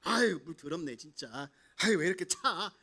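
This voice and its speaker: A man's voice: high-pitched, animated, fairly quick, fairly bright tone. A male pastor acting out a proud, hot-tempered army commander as a quote within his sermon. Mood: grumbling. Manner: grumbling, then humbled.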